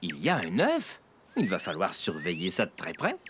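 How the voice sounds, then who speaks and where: A man playing a patient, kindly father in a French children's cartoon, encouraging and gently instructive. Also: low-pitched, huge pitch swings, normal speed, noisy background. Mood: friendly.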